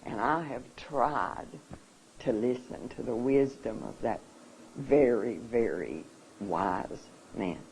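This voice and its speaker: A seminar speaker talks to the audience in a slow, deliberate way, with many pauses and restarts. The delivery is emotional and halting. A faint hum of room ambience sits behind the voice. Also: medium pitch, a little mellow, rough recording. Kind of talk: personal talk to an audience.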